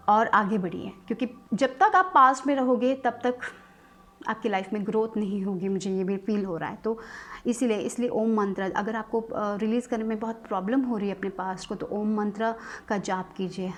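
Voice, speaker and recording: A woman tarot reader giving a casual, reassuring card reading to her viewers. She slips English words and phrases into her sentences and often adds small checks with her listeners. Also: medium pitch. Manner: reassuring and advising, with frequent filler checks.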